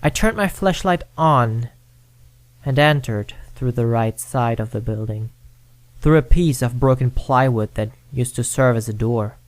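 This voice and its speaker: A man voicing a timid young man who stammers and blames himself, then slowly tells a ghost story in an amateur audio drama. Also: mid-range voice, no echo, close to an everyday voice. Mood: storytelling. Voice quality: hesitant, stammering.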